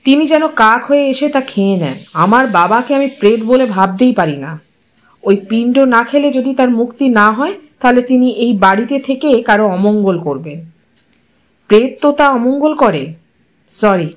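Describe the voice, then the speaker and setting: A woman's voice: a little high, expressive, normal speed, close to an everyday voice. Audiobook part: woman voicing a blunt defiant son, terse and questioning. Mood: bitter. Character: blunt grown son defying a ritual, man.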